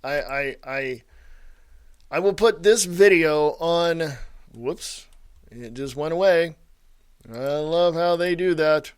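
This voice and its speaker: A man's voice: fairly high pitch, slow, pauses often, smooth, dry recording, clean studio sound. A man hosting a radio show, talking casually off the cuff in a folksy, rambling way.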